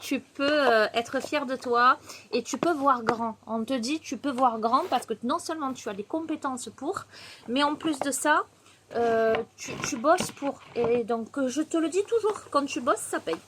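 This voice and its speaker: Woman, southern French accent, chatty tarot reader, slightly high voice, outdoor terrace, faint background noise. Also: measured pace. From Marseille, southern France. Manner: chatty, laughs often, addresses viewer directly. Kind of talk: casual tarot reading vlog. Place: outdoor terrace on a windy day. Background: faint wind noise.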